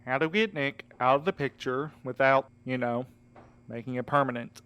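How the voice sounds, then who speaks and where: A man's voice: mid-range voice, fairly even intonation, normal speed, a bit bright, clean tone, lightly acted. A man playing an easygoing, encouraging courier in an audio drama, earnest, casual and coaxing. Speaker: voice actor in a fiction podcast. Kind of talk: scripted audio drama acting.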